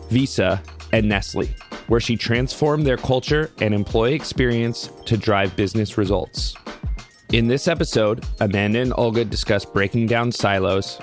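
A man reading a scripted podcast introduction in a smooth announcer style. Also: on the low side.

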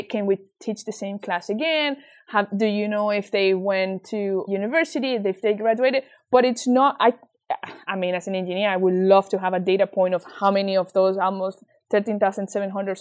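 This is a woman with a Venezuelan Spanish accent, at a middling pitch. She talks as a guest being interviewed, in a conversational style. Her manner is earnest and encouraging as she explains and recounts. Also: a little mellow. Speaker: interview guest, tech nonprofit leader. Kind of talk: conversational interview answers with anecdotes.

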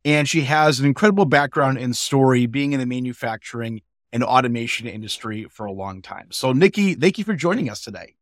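A man's voice: mid-range voice, animated, fairly quick, dry recording, studio quality. A man co-hosting a podcast over a video call, introducing a guest and asking friendly, upbeat questions. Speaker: podcast co-host.

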